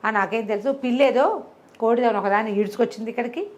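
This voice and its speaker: A spiteful village man from a folk tale, acted out by a woman storyteller. He is shifty, grumbling and dismissive, quick to scold, in a fairly high voice. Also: lo-fi sound, natural voice. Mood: evasive, dismissive.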